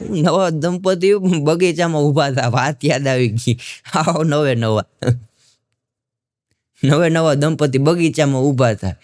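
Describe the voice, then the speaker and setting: A man's voice: fairly high pitch, takes it slowly, darkish tone, no echo, clean studio sound. A man with a Gujarati accent doing stand-up comedy for a live audience, telling jokes in a folksy storytelling manner and voicing the characters. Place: stage before a live audience.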